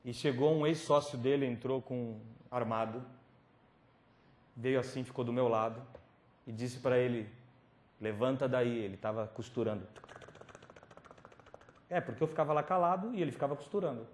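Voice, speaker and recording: A male preacher telling a personal testimony at a youth camp, acting out scenes with sudden drops to whispers and loud pleading cries. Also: mid-range voice, normal speed, pauses often. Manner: dramatic storytelling, swinging from whispers to loud pleading. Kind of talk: testimony sermon. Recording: roomy hall recording with faint noise.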